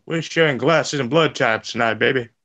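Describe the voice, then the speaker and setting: A man co-hosts a movie riff, tossing in dry, teasing one-liners. His voice sits at an average pitch, and his delivery stays easygoing and conversational. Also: moderate pace, a bit bright, muffled recording. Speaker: co-host. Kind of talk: casual movie riff commentary.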